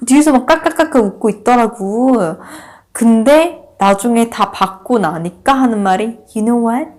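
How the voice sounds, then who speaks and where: A woman's voice: fairly high pitch, normal speed. Young woman telling a funny story, laughing. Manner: animated, laughs often, acts out quotes. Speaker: vlogger. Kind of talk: casual storytelling vlog.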